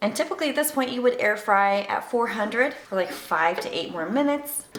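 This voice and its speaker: A woman's intonation is lively, and noticeable background noise can be heard behind her. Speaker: cooking channel host. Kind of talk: cooking tutorial. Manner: fast; animated.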